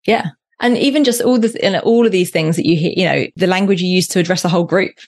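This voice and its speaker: Woman with a pretty low voice, chatty facilitator, keeps restarting her sentences as she thinks. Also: fast, a little mellow. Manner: reflective, with frequent restarts and fillers. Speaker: guest, workplace learning facilitator. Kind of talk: casual podcast conversation.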